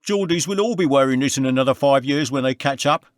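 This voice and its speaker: A man's voice: mid-range voice, fast, no room sound, clean studio sound, voice pushed up, close to an everyday voice. A man voicing a brash, teasing male character greeting old friends. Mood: cheery.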